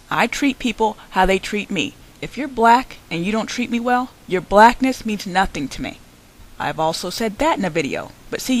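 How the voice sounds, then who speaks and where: A woman's voice: medium pitch, low-quality recording. A young woman hosting her own channel, answering another vlogger in a sarcastic, combative response rant.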